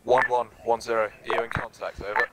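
A man's voice: mid-range voice, level tone, fast talker. A man talking over helmet radio as a patrol commander in a military game, in clipped, casual procedure, through a very noisy clicking channel.

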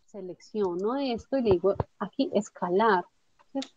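A woman teaching a software tutorial step by step, patiently checking that her student follows along. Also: medium pitch, moderate pace, background noise. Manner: patient, explanatory, checks understanding with tag questions. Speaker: instructor. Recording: dull lo-fi dry audio.

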